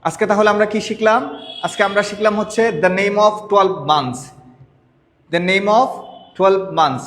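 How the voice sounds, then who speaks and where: A man with a Bengali accent teaching an English lesson, repeating words slowly and asking the listener questions. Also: high-pitched, fairly bright tone, long reverb tail. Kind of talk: spoken language lesson.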